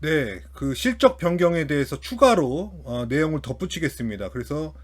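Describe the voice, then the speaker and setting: This finance commentary host has a highish, very animated voice and talks at a moderate pace. He works through his analysis without a script, hesitating often and repeating or restarting his phrases.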